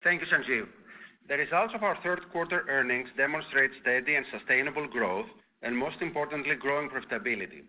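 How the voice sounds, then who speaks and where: A man working as a finance executive, reading a scripted earnings presentation in a formal, measured manner over a conference call. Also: mid-range voice. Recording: tinny phone-line conference call audio.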